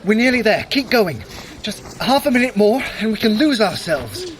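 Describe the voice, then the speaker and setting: A man's voice: high voice, very animated, moderate pace, a little hiss or hum. An actor playing a sly, dry-witted trickster god prince in an audio drama, wry and formal as he coaxes. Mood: urgent, coaxing.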